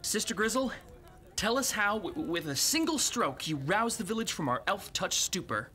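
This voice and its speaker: A man's voice: high voice, sing-song, normal speed, bright, forceful tone, heavily acted. An actor playing an earnest, grieving young village man in an audio drama, speaking in a wordy, dramatic way. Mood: wistful, earnest.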